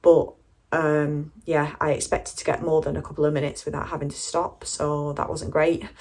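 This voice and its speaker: A woman's voice: sits low, little pitch movement, moderate pace, a little mellow. A British woman chatting casually to camera as a vlogger, in a candid, rambling, slightly hesitant way. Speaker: running vlogger.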